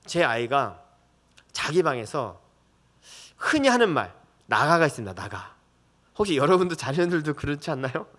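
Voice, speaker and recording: Lively high-voiced Korean pastor preaching. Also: male voice, moderate pace, long pauses. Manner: conversational storytelling sermon, acts out family voices. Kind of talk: sermon.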